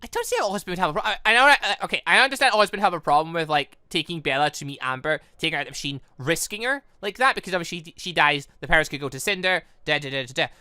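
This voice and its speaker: A man's voice: fairly high pitch, lively intonation, racing, hardly any pauses, pushed and bright, clear, resonant tone, no echo, clean studio sound. A British man giving casual, rambling let's-play commentary on a visual novel, stumbling over words and correcting himself as he goes. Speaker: gaming video host.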